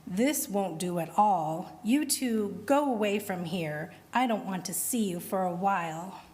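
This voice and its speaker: A woman voicing First Woman, a stern, weary leader who speaks in firm, measured commands. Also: medium pitch, expressive, a little mellow, close to an everyday voice.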